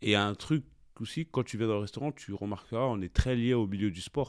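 In a very clean recording with a silent background, a man talks at a moderate pace with ordinary pitch variation and an ordinary speaking voice. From Paris, 19th arrondissement. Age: 30s. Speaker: entrepreneur. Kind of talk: casual interview chat.

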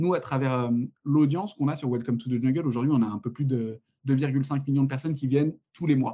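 Talking at a fairly quick pace, a man uses a fairly high pitch with ordinary variation. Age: 30s. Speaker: head of sales at a recruitment platform. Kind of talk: interview. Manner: hesitant, repeats words.

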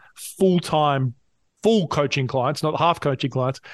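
Quiet surrounds this man. His voice sits fairly high. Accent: Australian. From Australia. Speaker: business coach and speaker. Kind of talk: interview.

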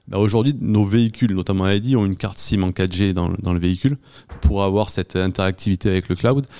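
A man's dark, mellow voice, fairly low in pitch, with a slight southern French accent, ordinary pitch variation and a fairly quick pace, on a very clean recording with a silent background. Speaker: car product manager. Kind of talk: interview. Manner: sing-song intonation.

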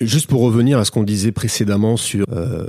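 His tone is dark and mellow. This man keeps his intonation fairly even. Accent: Toulouse. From southern France, Toulouse. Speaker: podcast host. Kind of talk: casual interview. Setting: guest's home studio.

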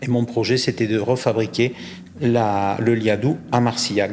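A man speaks at a fairly slow pace. His pitch sits fairly low, with ordinary variation. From France, Aveyron (Rodez). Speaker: knife-making entrepreneur. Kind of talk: interview. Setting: on location in a village. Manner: hesitant, many fillers and repetitions.

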